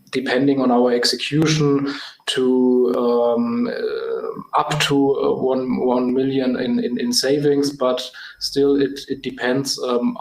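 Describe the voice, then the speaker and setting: A man giving halting, repetitive answers as a company executive on an earnings call. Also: medium pitch. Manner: halting, repetitive, hesitant delivery. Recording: roomy, echoey conference call.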